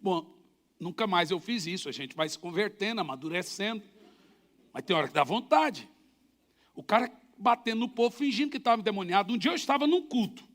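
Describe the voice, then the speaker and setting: A man's voice: high-pitched, animated, brisk, fairly bright tone. A male pastor preaching a sermon, telling humorous anecdotes with emphasis. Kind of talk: storytelling sermon.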